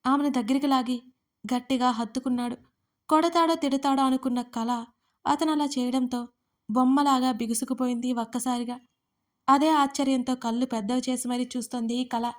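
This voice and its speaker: A woman storyteller narrating an audio story in a steady, even reading. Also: sits high, moderate pace.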